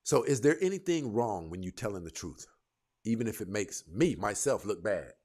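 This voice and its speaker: A man's voice: on the low side, sing-song, a little mellow. Confrontational male debate show host. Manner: confrontational, fires rapid leading questions. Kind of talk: live call-in debate show.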